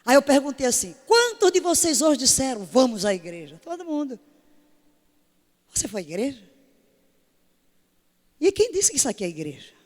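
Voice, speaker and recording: A woman's voice: high-pitched, big pitch swings, normal speed, long pauses, in a large hall. A woman preaching a sermon to her congregation in an emphatic way, full of rhetorical questions. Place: church service.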